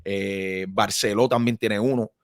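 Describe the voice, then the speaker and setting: A man's voice: lowish voice, fairly even intonation, unhurried, no echo, studio quality. A man with a Puerto Rican accent, speaking as a guest researcher in casual conversation, often adding tag questions and fillers.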